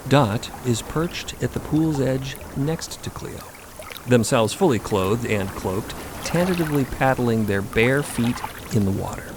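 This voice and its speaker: A man's voice: mid-range voice, expressive, measured pace, background noise. A man narrating a scripted fiction podcast as one of its storytellers.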